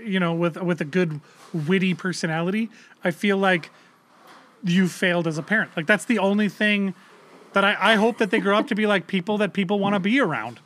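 High-voiced casual podcast guy. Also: brisk, a bit bright. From Canada. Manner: loose, swearing, rambling with many fillers. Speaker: podcast co-host.

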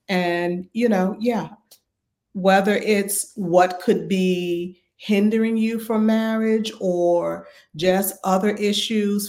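A woman with a slightly raspy voice, a pastor and relationship coach, talking as a podcast guest in a calm, measured way. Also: mid-range voice.

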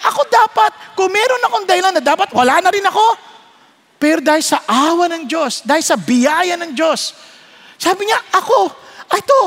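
A man's voice: very high voice, fairly bright tone. A Filipino man preaching a sermon, mixing Tagalog and English and often checking with the congregation. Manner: switches between Tagalog and English, asks the congregation questions. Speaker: pastor. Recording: echoey hall with long reverb.

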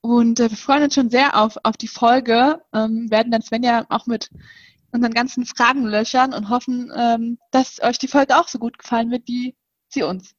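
A woman's voice: a little high, fairly even intonation, moderate pace, no echo, muffled recording. A woman in her twenties co-hosting a podcast, hesitant, with many fillers. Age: 20s. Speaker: podcast co-host. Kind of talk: casual podcast chat.

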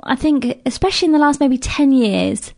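British woman, 30s, comedian guest; frank, sweary, self-deprecating, fairly high voice. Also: lively intonation, creaky, darkish tone. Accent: British English. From Britain. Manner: frank and profane, quick self-mocking asides with laughs. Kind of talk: candid podcast conversation.

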